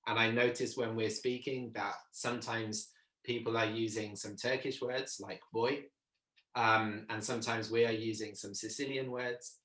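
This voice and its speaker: Young man, low voice, reflective, roomy video call sound. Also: steady tone, normal speed, fairly bright tone. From Italy, Arbëresh community. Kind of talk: casual video call discussion. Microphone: laptop mic on video call. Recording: echoey room on video call.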